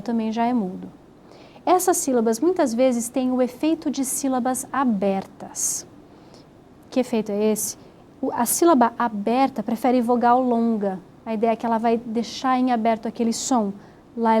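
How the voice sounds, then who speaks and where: Woman teacher walking through hebrew syllables, a bit high, mellow tone, faint hiss behind. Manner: patient, explanatory, spells out syllables slowly. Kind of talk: recorded grammar lesson.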